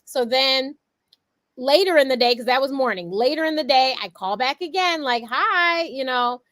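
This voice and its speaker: Animated woman telling a story. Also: high voice, moderate pace, no echo. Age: 40s. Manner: animated storyteller, acts out her own quotes. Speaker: host. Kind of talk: casual talk show chat.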